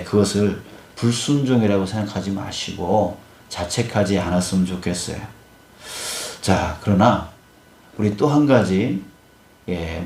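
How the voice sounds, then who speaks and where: A man's voice: lowish voice, reverberant, a little hiss or hum. A male pastor giving an early-morning sermon in a conversational way, often inserting affirming fillers and acting out scripture dialogue. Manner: conversational preaching, frequent affirming "yes" fillers; acts out scripture dialogue in lively voices. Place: church sanctuary.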